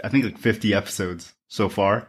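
A young man from Taiwan, Chinese his first language, co-hosting a podcast. His voice sits low, and he talks in a loose, halting way with many fillers and restarts. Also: steady tone, slightly rough. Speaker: podcast co-host. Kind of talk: casual chat.

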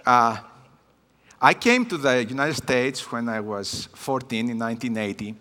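A man's voice: medium pitch, lively intonation, measured pace, sharp tone, big-room sound. A man of about fifty with a Greek accent, a native Greek speaker giving a personal talk at a church conference, with many hesitant fillers. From Greece. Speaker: guest missions speaker. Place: church hall.

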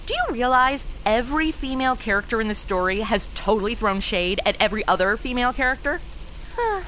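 A woman's voice: on the high side, expressive, brisk, a bit bright, slight background noise, poor audio. A woman playing a brash, flippant twenty-something amateur detective in a comedy audio drama, with sassy, slangy delivery. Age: 20s. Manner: sassy, slangy, self-absorbed wisecracking. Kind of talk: comedy audio drama acting with wry narration.

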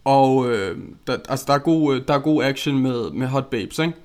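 Crude, blunt Danish man co-hosting. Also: mid-range voice. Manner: crude, blunt, many fillers and restarts. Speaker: podcast co-host reviewing a film. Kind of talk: casual chat.

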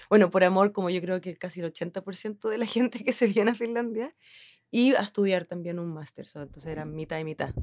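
Chilean woman in her 30s, chatty and rambly, lowish voice, dry close sound. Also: darkish tone, no room sound. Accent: Chilean Spanish. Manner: rambling, many fillers and restarts, laughs easily. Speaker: designer, interview guest. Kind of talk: casual interview answers.

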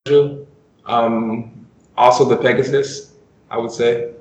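A man's voice: mid-range voice, little pitch movement, takes it slowly, lo-fi sound. A man hosting a casual podcast among friends, speaking loosely with frequent fillers. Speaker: podcast host. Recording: echoey room.

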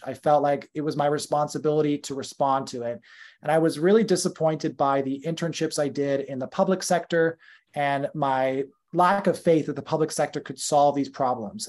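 A man in his thirties with a North American accent, speaking as a podcast guest. His voice sits slightly high for a man. He talks loosely and conversationally, with plenty of fillers and self-corrections. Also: a little mellow. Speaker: podcast guest, company founder. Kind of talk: casual podcast interview.

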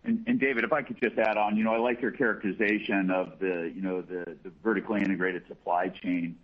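A man speaking as a company executive, answering questions on an earnings call in a measured, halting way with restarted phrases. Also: deep voice, fairly even intonation. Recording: dull lo-fi conference call line.

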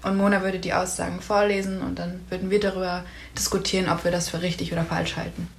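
A woman's voice: lowish voice, level tone, quick pace, creaky, a little hiss or hum. Frank young woman from Berlin. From Berlin, Germany. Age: young adult. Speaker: podcast volunteer. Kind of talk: casual discussion.

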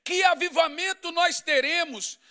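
A middle-aged male pastor, preaching an animated, humorous sermon that swings from loud to hushed. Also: extremely high pitch, unhurried.

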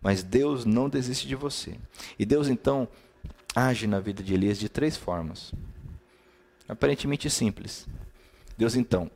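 A Brazilian-accented man leads a streamed devotional talk in a middle-pitched voice. His manner is easy and conversational. He lists key words one by one and greets viewers by name between points. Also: a little slow, pauses often, darkish tone. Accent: Brazilian Portuguese. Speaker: preacher.

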